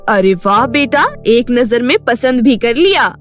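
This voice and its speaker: A woman's voice: fairly high pitch, expressive, a little slow. A woman voicing a middle-aged, demanding mother of a groom, effusive yet pointed, in a storybook tale. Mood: polite, pointed. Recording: music behind the voice.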